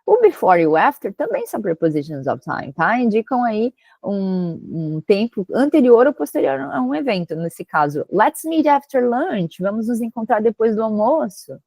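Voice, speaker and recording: A woman teaching an English lesson who often checks in with her students and reads the English example sentences slowly and carefully. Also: mid-range voice, very animated, vocal fry, darkish tone, dry recording. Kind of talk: online language lesson.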